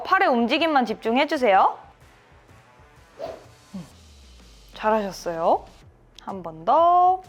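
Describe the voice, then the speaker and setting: With a high-pitched voice, a female golf instructor coaches a student hands-on through their swings. She cheers them on and calls out cues such as "bang" whenever the ball is struck.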